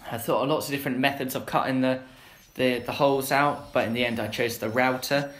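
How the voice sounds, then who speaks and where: Young man, flat easygoing workshop narration. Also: mid-range voice, a little fast. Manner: plain, easygoing, frequent "uh" fillers. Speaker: woodworking channel host. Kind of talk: voice-over narration of a workshop build. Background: background music.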